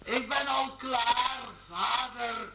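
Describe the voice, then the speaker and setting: An actor playing an anxious son turned insect in a radio play, with halting, strained, creaky replies. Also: male voice, very high-pitched, steady tone, heavily acted. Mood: strained, placating. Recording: echoey room, faint noise.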